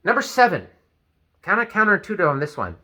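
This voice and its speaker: An animated man talks to the camera, giving plain advice. His voice has a bright, forward edge. His pitch swings widely as he acts out what other people say. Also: quick pace. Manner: animated, acts out quoted speech. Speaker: vlogger. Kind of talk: advice video talk.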